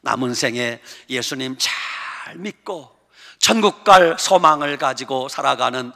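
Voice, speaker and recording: A man's voice: mid-range voice, lively intonation, a little slow, vocal fry, sharp tone. A man preaching a sermon as pastor, emphatic, asking rhetorical questions and telling stories. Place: church sanctuary. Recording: long church hall reverb.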